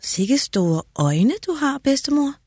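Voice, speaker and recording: A man voicing the innocent little girl Red Riding Hood in a storybook reading, in a high, soft, childlike tone. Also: very animated, no room sound, studio quality, exaggerated voice. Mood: wondering.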